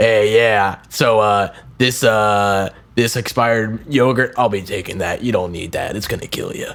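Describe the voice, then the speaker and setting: A man uses a put-on character voice that is raspy, at a medium pitch. He speaks at a moderate pace on a very clean recording with a silent background. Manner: gruff, nonchalant.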